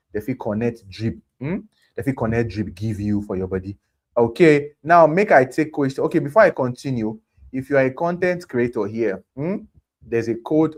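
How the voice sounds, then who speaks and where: A man's voice: mid-range voice, darkish tone. A man with a Nigerian accent hosts a live online health stream. He moves between Nigerian Pidgin and English in a conversational way. He drives points home with repetition and short tag questions. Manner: emphatic, repeats phrases, tag questions.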